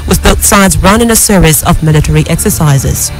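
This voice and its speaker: A woman with a Nigerian accent reads scripted radio news as an anchor, in a formal, measured way. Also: on the low side, over loud music, low-quality recording. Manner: formal, measured newsreader delivery.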